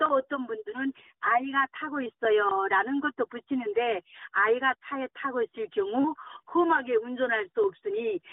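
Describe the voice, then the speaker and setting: With a high pitch and lively intonation, a woman speaks at a moderate pace. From North Korea, Chongjin. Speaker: nurse's aide, North Korean defector. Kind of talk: radio interview. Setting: phone call.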